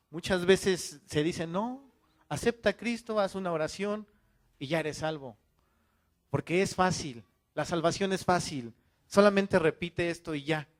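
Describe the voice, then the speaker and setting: A man preaching a fiery sermon, firing off rhetorical questions and calling his listeners to repent. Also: on the high side. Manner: acts out quoted voices of churchgoers.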